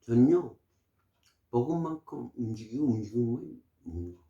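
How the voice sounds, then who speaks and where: A man's voice: medium pitch, expressive, moderate pace, dark tone, dull audio. A man in his sixties giving health advice in casual, emphatic, preachy talk to camera. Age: 60s. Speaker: vlogger. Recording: roomy echo.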